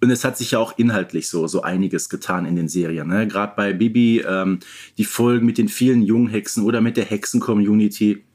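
A man's voice: fairly low pitch, fairly quick, a little mellow. A man co-hosting a podcast, explaining details in a conversational, informed way. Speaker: podcast co-host. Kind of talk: casual, informed commentary on audio play series.

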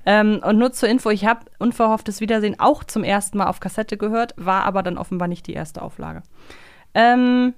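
A woman's voice: medium pitch, brisk, no room sound, studio quality. A woman with a standard German accent hosting a podcast, discussing and commenting casually. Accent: standard German, no southern dialect. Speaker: podcast host.

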